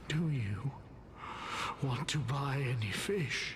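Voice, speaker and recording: A put-on character voice, low-to-middle in pitch and very slow, over clear background noise. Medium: video game. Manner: mechanical, repetitive.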